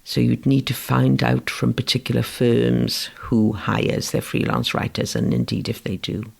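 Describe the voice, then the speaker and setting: A man from Wales, Welsh by first language, narrates a writing lesson in a measured, gentle way. His voice is heavily gravelly and husky, with a mid-range pitch. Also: level tone. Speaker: writing course instructor. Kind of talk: scripted educational narration.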